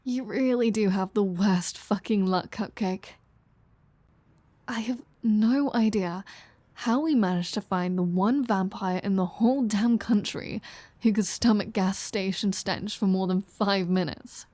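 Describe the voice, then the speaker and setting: Slow-talking, teasing vampire woman, acted by a woman. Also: mid-range voice, mellow, no room sound, close to an everyday voice. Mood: teasing, sardonic. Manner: teasing, sardonic, foul-mouthed. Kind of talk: intimate roleplay audio drama.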